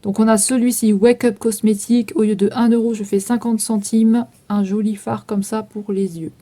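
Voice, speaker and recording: She's a vlogger in her thirties from France, running through makeup for sale in an easygoing way and listing numbers and prices amid frequent fillers. Her mellow voice sits fairly high, moves little in pitch, and keeps a normal speed.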